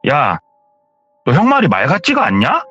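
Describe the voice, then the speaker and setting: A gruff teenage big brother who scolds roughly and swears, his voice lifting sharply when angry, played by a male storyteller. It sounds slightly dull, with quiet music behind. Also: fairly high pitch, huge pitch swings, moderate pace, voice pushed up, full character voice. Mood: scolding. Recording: slightly muffled with faint music.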